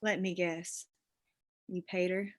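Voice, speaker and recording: An actress playing a self-possessed, flirtatious store clerk in a script table read, with a dry, teasing delivery. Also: female voice, on the low side, little pitch movement, takes it slowly.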